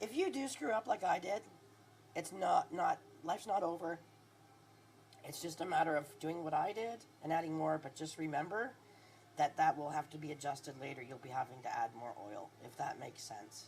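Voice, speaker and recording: A raspy, put-on character voice at a middle pitch moves at a moderate pace, broken by long, frequent pauses. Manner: tired, drowsy.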